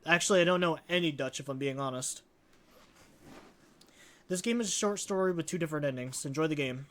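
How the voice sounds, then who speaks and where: A man's voice: fairly high pitch, fairly quick. A man giving casual, wry, conversational commentary as he plays through a game on stream. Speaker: let's play streamer. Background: game music.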